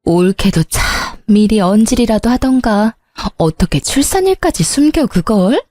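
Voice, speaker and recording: A woman's voice: medium pitch, animated, a little slow, darkish tone, natural voice. A woman voicing a tactless young sister-in-law who speaks in a snippy, reproachful way.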